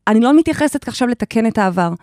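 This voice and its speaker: A woman's voice: a little high, lively intonation, darkish tone, no echo. A woman hosting a podcast chat, guiding a guest with emphatic step-by-step explanations. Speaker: host and life coach. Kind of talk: guidance in a casual podcast chat.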